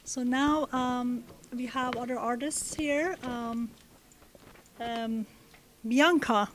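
Higher-pitched woman interviewing. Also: fairly even intonation, slow, a little hiss or hum. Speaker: interviewer, host. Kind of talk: on-camera event interview. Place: large indoor exhibition room. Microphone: handheld microphone.

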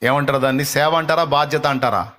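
A man's voice: medium pitch, a little fast, a bit bright. A male pastor preaching a fervent live sermon, impassioned and repeating phrases as he rebukes.

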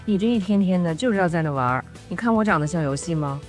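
A woman's voice: fairly low pitch, expressive, very slow, faint music behind. A woman voicing a nagging, chiding mother with a Beijing accent in a video game.

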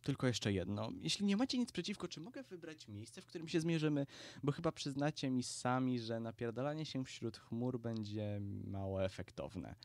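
A man's voice: medium pitch, expressive, moderate pace, dry recording, natural voice. A man voicing a boastful male skeleton voodoo god with a theatrical, raised voice. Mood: smug.

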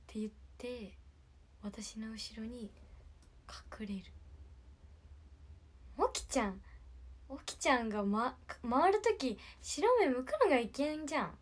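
Soft half-whispering teen girl. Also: a little high. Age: late teens. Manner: soft, often half-whispered, rambling with many fillers. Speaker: idol group member. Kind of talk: late-night livestream chat.

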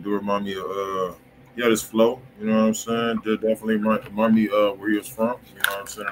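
A low-pitched American man talks in loose, slangy style as a livestream host. He sounds casual and informal, recorded in a room with faint background noise. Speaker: music review show host. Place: indoor room at home, on a livestream. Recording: noisy room webcam stream.

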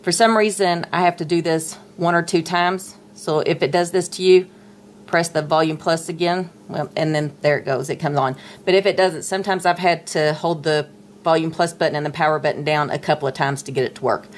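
Low-voiced woman explaining tablet steps. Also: steady tone, a little fast, slight background noise. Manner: patient, chatty, talks while handling the device. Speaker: tech tutorial presenter. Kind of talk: casual step-by-step tutorial. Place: indoors at a table, dim room.

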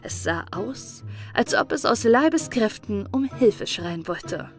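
A woman's voice: on the high side, sing-song, takes it slowly. A woman narrating a fairy tale expressively for children, as in an audiobook. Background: faint music.

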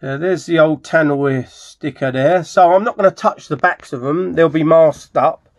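A man's voice: a little high, moderate pace. A middle-aged British man giving a casual, rambling hands-on walkthrough as a restorer, correcting himself as he goes. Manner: informal, rambling, self-correcting. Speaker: furniture restorer presenting his project. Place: cluttered indoor wooden workshop. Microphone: handheld camera mic, speaker behind camera.

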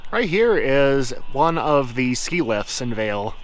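A travel vlogger casually narrates as he cooks at his truck camper and then walks around town, relaxed and chatty, often correcting himself mid-sentence. His mid-range voice is slow. The low-quality recording has a little hiss or hum.

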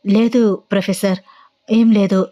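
A determined young pregnant student pleads politely yet firmly, voiced by a woman reading the story. Her tone is mellow and soft-edged. The sound is dull and lo-fi. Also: medium pitch, steady tone, measured pace, lightly acted. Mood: pleading.

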